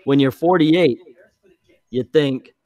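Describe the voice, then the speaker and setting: A man's voice: medium pitch, takes it slowly, darkish tone, dry recording. A man in his forties chatting casually on a stream, joking and self-deprecating. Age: 40s. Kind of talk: casual chat.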